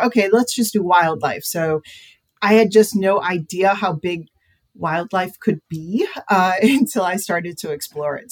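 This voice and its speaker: A woman from St. Louis, a guest on a wildlife podcast, talking in brisk, quick bursts. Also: mid-range voice. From St. Louis, Missouri. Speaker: guest, bush dog researcher. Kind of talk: casual interview chat.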